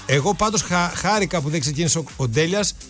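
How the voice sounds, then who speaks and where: A man's voice: a little high, faint music behind. A man co-hosting a radio sports show, reading listener messages and asking puzzled questions. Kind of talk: casual radio banter. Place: radio studio.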